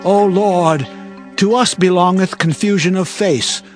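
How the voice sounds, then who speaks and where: Earnest, higher-voiced devout prophet. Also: male voice, measured pace, faint music behind. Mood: penitent pleading. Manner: earnest, solemn, declamatory pleading. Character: devout male Hebrew prophet, humbly penitent. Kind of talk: dramatized scripture reading.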